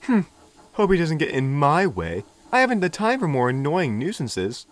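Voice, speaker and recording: A man's voice: high voice, huge pitch swings, a little slow, pitched above the performer's own voice, exaggerated voice. A man voicing a vain, scornful male engine who talks in a dismissive way. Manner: sniffy, dismissive. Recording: music playing behind.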